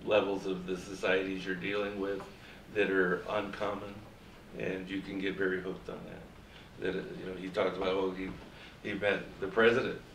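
An older man gives measured career advice on a panel. His voice is very low and gravelly. The sound is distant and echoey, as if taken from across a seminar room. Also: slight background noise. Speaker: former Foreign Service officer, panelist. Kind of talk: panel talk. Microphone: far camera.

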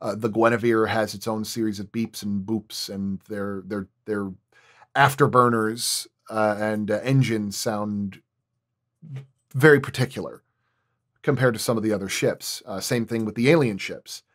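A man talking casually as a guest sound designer, in a halting, hesitant way. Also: fairly low pitch, steady tone, fairly bright tone. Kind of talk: casual roundtable chat.

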